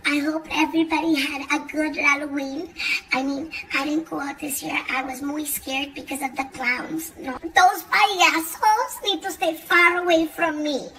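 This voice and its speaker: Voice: high-pitched, fairly even intonation, normal speed, background noise. A performer voicing a boastful, dramatic Latina woman who mixes Spanish words into English and keeps laughing. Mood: chatty. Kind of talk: comic character monologue.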